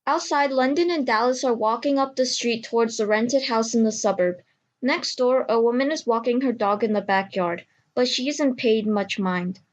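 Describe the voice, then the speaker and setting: A woman narrates an audio drama from a script. Her voice is fairly high as she describes the scene. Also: moderate pace, muffled recording.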